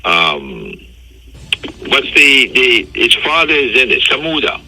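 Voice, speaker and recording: A man in his seventies from Jamaica, calling in and talking calmly with some hesitation. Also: mid-range voice, takes it slowly, rough recording. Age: 70s. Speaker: caller. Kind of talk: phone-in talk.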